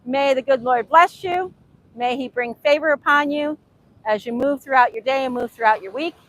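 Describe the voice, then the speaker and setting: Bright-voiced woman with a Hungarian accent. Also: high-pitched, normal speed, no echo, rough recording. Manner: earnest, repetitive, carefully overpronounced words. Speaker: author and host. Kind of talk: motivational faith talk to camera. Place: outdoors at a beach.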